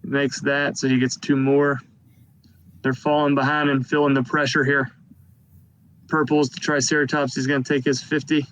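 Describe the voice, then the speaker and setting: A man narrating a tabletop game as game master, calling turns and dice rolls in a steady, matter-of-fact way. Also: mid-range voice, normal speed, low-quality recording.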